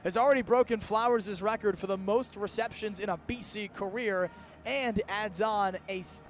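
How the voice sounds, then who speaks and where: High-voiced young American play-by-play man. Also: slight background noise. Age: 20s. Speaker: play-by-play sports announcer. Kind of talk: live American football radio commentary.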